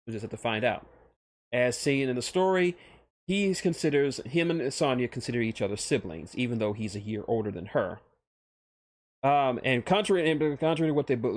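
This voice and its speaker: Speaking in a mid-range voice, a man talks casually on stream about his own fictional characters, frequently stopping and restarting phrases mid-explanation.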